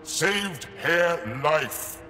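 Slow-spoken, earnest alien fighter. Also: male voice, a little high, animated, heavily acted. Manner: measured, earnest, emphatic. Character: earnest, loyal male alien resistance fighter, pleading firmly. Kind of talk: video game cutscene acting. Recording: long reverb, loud game music.

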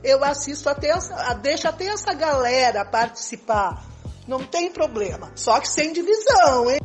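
Possessive soap-opera lover played by an older woman, coaxing and wry, fairly high voice. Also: very animated, moderate pace, soft background music. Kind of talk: improvised amateur radio soap opera acting.

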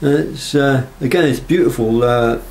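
Male craftsman, understated and halting, casually presenting handmade work on a camera mic with noticeable background noise. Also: mid-range voice, darkish tone. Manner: hesitant, unscripted, understated. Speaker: knife maker presenting work. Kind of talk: casual workshop show-and-tell. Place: small block-walled workshop.

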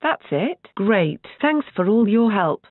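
A woman's voice: mid-range voice, big pitch swings, takes it slowly, no room sound. A robotic text-to-speech voice with a British accent playing a naive, polite woman caller. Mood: trusting. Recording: phone-like narrow band.

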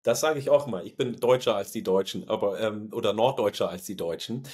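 A man in his forties hosting a podcast, asking casual questions in an unhurried way with fillers, recorded on a studio microphone at home. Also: lowish voice, a little mellow. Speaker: podcast host. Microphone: studio condenser mic with headphones.

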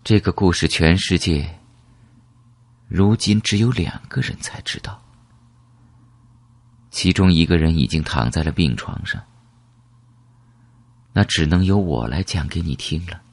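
A man voicing a calm, secretive elderly woman who reminisces in a measured, wistful way in an audiobook. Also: low voice, creaky, dry recording, exaggerated voice. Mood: gentle, apologetic. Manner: slow, measured, reminiscing with rhetorical questions.

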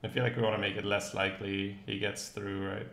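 A man's voice: fairly low pitch, level tone, a little fast, vocal fry, fairly bright tone, roomy sound. A young man hosting a card game stream, chatting in a laid-back, playful way with his co-player. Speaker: streamer host. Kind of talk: casual game commentary.

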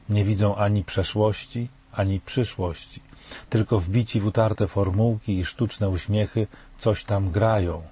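A man in his sixties giving scripted commentary in a grave, measured tone, posing rhetorical questions. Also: on the low side, warm tone, breathy edge.

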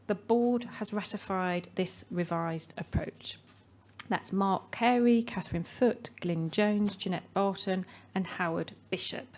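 A woman at a podium reading out election results in a measured, formal way. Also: medium pitch, darkish tone. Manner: measured, reading names slowly. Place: meeting hall. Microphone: podium microphone.

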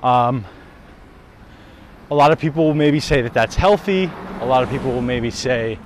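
Here a wellness vlogger talks at normal speed in a mid-range voice as he walks through a residential neighborhood. He holds the camera at arm's length, chats casually, swears freely and laughs at himself.

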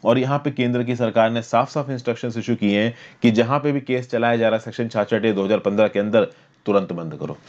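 A man's voice: medium pitch, darkish tone, lo-fi sound. Man teaching current affairs. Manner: explains step by step, reads English legal text slowly. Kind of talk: exam-prep lecture over slides. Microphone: voice-over on slides.

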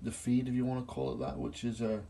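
A middle-aged man with a gravelly, creaky voice walks through a repair step by step as a gas engineer. He talks plainly into a phone he holds himself. The sound is that of a small indoor workshop. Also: mid-range voice, fairly even intonation, quick pace, dark tone. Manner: plain step-by-step explaining, filming on his own phone. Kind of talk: hands-on repair demonstration. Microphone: phone camera held in hand.

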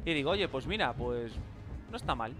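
A man with a Spain Spanish accent giving casual gameplay commentary, rambling with fillers and bursting into loud exclamations. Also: medium pitch, lively intonation, normal speed. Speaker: gaming channel host. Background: game music.

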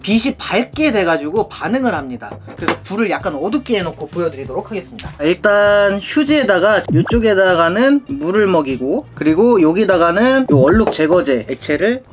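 A man's voice: sits high, sing-song, a little fast, hardly any pauses, soft background music. A young man hosting a product test video, explaining things to viewers in a casual, conversational and polite way. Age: young adult. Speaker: product review video host.

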